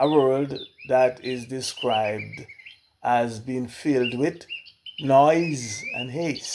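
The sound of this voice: The background is quiet behind an unforced reading voice.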